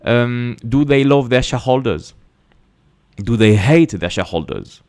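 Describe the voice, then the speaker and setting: With lively intonation and a measured pace, a Frenchman who hosts an investing channel explains things casually to camera in his French accent. He is emphatic, poses rhetorical questions, and repeats words and restarts; his medium-pitched voice is clear, resonant and a little mellow.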